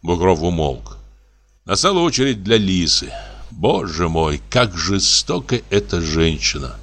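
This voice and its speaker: Expressive low-voiced male narrator. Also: unhurried. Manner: expressive, dramatic reading. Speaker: audiobook narrator. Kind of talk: literary audiobook narration.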